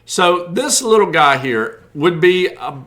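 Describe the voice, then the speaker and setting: A man's voice: sits high, expressive, slow pace, a bit bright. A man who breeds reptiles, explaining care tips in a casual, folksy way with many fillers.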